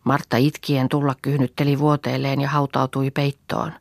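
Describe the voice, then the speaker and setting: A woman reading a novel aloud as an audiobook narrator, calm and measured. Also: a bass voice, creaky, no echo, clean studio sound. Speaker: audiobook reader.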